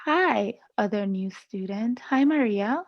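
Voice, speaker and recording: A woman's voice: fairly high pitch, expressive, slow pace, no room sound. Woman, online class teacher, chatty, dry close audio, bit muffled. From Canada. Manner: chatty, laughs often, friendly with students. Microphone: video call. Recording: slightly muffled dry video-call audio.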